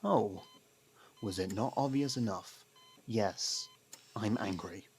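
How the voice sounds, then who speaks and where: Guy playing a snarky criminal partner in asmr roleplay, low gravelly voice, scolding but secretly worried, bit noisy recording. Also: a little mellow, exaggerated voice. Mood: angry, frustrated. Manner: exasperated, scolding, halting pauses, swearing.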